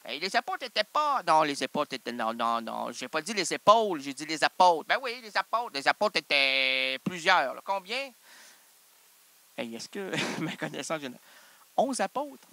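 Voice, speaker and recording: A man's voice: a little high, sing-song, normal speed, sharp tone, dry recording, rough recording. A man with a Québécois French accent hosting a radio show, rambling playfully through an improvised comic monologue and bantering with himself.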